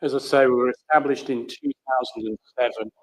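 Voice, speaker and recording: A man from Australia with a big booming voice, giving a measured, plain-spoken talk on stage into a microphone in a large theatre. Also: steady tone, low-quality recording. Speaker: conservation program leader.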